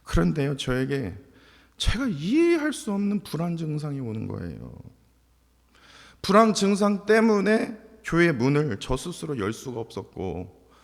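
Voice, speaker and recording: A man's voice: fairly high pitch, huge pitch swings, a little slow, gravelly. A man in his forties preaching a confessional, emotional sermon to his congregation. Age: 40s. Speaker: pastor. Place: church sanctuary. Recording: long hall reverb.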